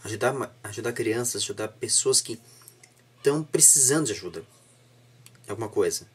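Young brazilian guy doing a casual interview, kinda husky, keeps rewording stuff, earnest. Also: fairly low pitch, expressive, a little fast. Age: young adult. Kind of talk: casual reflective interview chat. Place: small home room indoors, seated on a sofa.

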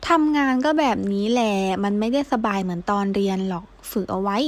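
A woman voicing a tired, apologetic young male student in an audiobook novel, speaking softly. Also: medium pitch, expressive, brisk, lightly acted. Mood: subdued. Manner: soft, apologetic. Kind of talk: audiobook character dialogue.

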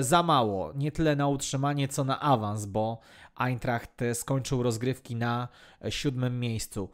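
A man hosting a podcast, telling football history in a semi-scripted narrating style. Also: medium pitch. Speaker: podcast host.

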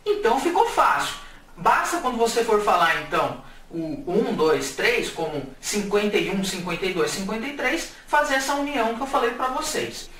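A man's voice: sits high, sing-song, normal speed, bright, forceful tone. A man from Brazil teaching English numbers in a casual, jokey video lesson. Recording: echoey room, mic at a distance, faint hiss.

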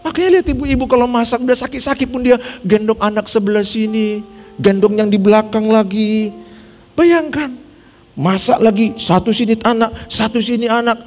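Male preacher with a lilt, high-voiced and playful, heard in a reverberant church hall with soft music under him. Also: normal speed. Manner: animated, joking, mimics congregants. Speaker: pastor. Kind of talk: sermon.

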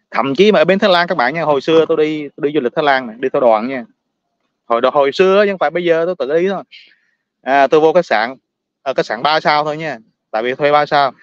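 Fast-talking, ranting Southern Vietnamese man. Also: fairly high pitch, no room sound, highs cut off. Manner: blunt, ranting, laughs often, repeats words. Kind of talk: casual monologue to viewers.

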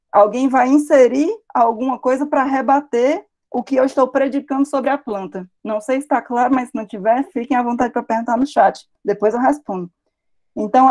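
A woman's voice: a little high, dark tone. A woman with a Brazilian Portuguese accent giving an academic lecture over a video call, explaining step by step and posing rhetorical questions. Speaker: university lecturer.

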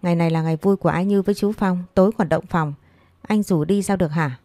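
A sharp-tongued young woman fires quick retorts at her boyfriend, as a woman reader plays her. Her voice is mellow and a little low, close and dry on the recording. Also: dry recording, soft background music, close to an everyday voice. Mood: sassy.

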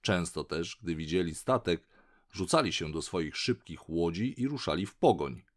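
A man reads a children's adventure aloud in a lowish voice. His telling is animated, with wide swings of pitch. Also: normal speed. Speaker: audiobook narrator. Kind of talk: expressive audiobook narration.

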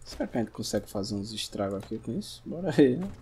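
A man from Brazil giving casual gameplay commentary, chatting to himself and his viewers, sometimes breaking into sudden shouts. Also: on the low side, big pitch swings, quick pace, a little hiss or hum. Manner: chatty, talks to himself and the audience, bursts into shouts at scares. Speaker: gameplay streamer.

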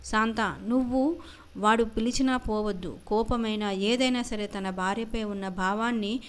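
A woman voicing a kind older father-in-law who speaks softly and in a fatherly way in a spoken story. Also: on the high side, unhurried, smooth, close to an everyday voice. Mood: quiet advising. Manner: soft, fatherly.

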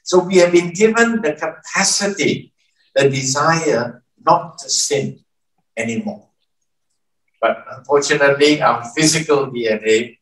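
A man's voice: medium pitch, a bit bright. An older man preaching a teaching sermon from a church stage, often checking in with the congregation. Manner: teaching, asks the congregation questions. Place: large church hall with stage. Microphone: from far camera, at lectern. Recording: echoey hall, distant mic.

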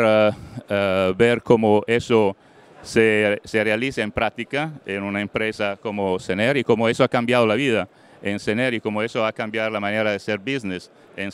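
A middle-aged man from Colombia presenting on a conference stage into a handheld mic, halting often with fillers and slipping into English words. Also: fairly low pitch, smooth. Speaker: panel moderator. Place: large event stage.

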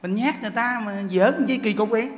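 A man's voice: very high-pitched, fast talker, long reverb tail. A man giving a Buddhist dharma talk, telling funny ghost stories with laughter and acted-out frightened cries. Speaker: Buddhist monk teacher. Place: temple hall.

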